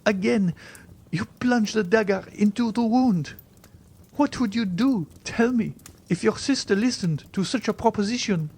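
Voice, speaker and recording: A man's voice: sits high, measured pace, creaky, darkish tone, slightly rough, voice pushed up, full character voice. A man voicing a devoted young woman, pleading and reproachful in an impassioned, melodramatic audiobook reading. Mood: despairing. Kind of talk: dramatized audiobook reading of a classic novel.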